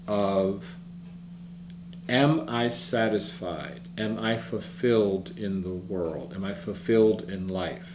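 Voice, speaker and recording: A man's voice: lowish voice, a little mellow. A man giving an earnest, reflective public talk in an easygoing storytelling manner. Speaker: speaker. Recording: roomy echo with faint hum.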